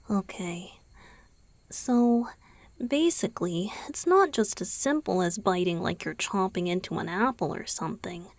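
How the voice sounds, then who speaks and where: A gentle, teasing vampire boyfriend acted by a woman murmurs close and dry into the microphone in an ASMR roleplay. He takes his time, explaining patiently and often slipping toward a whisper, while his pitch rises and falls in a lively, affectionate lilt. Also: measured pace, no room sound. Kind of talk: ASMR roleplay, intimate one-sided dialogue to the listener.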